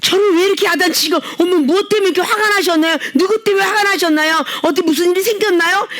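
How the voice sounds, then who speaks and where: A woman's voice: extremely high pitch, quick pace, a bit bright, voice pushed up. A woman preacher voicing a flustered church member who anxiously asks why the pastor is upset. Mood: anxious pleading.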